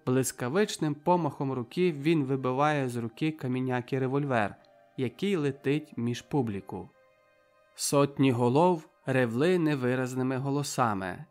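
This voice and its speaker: A man's voice: mid-range voice, normal speed, a little mellow, soft background music. A man reading a novel aloud as audiobook narrator, in a vivid, dramatic manner.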